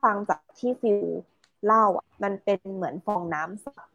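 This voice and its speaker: A woman explaining ideas in a relaxed, casual chat, mixing in English terms and filler sounds. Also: mid-range voice, moderate pace, lo-fi sound, soft background music.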